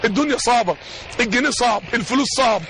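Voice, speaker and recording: A young Egyptian man preaching an impassioned sermon, building fervently and shouting out key lines. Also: very high-pitched, racing, gravelly, background noise. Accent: Egyptian Arabic.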